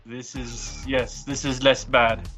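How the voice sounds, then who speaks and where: A man with a bright, forward voice at middle pitch plays a tabletop roleplay game. He talks casually, mixing rules chat with in-character lines, with faint music behind him. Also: flat delivery, takes it slowly. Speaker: player in a tabletop roleplay podcast.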